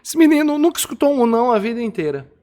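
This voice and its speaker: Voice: mid-range voice, big pitch swings, fast talker, dark tone. A speaker in casual conversation, explaining ideas through everyday examples.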